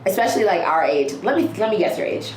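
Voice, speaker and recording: A woman's voice: medium pitch, expressive, quick pace. A woman interviewing a couple in a bubbly, playful way, laughing often. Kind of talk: casual interview chat. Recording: echoey room with clear background noise.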